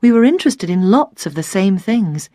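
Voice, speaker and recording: A woman reading a story aloud for English learners, clear and deliberate. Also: medium pitch, big pitch swings, warm tone, no echo, studio quality. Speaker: narrator.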